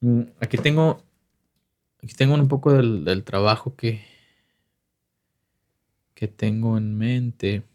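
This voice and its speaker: A man with a Chicano accent chatting casually, switching between Spanish and English in a halting, slangy, profane way. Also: medium pitch, darkish tone. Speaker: photographer.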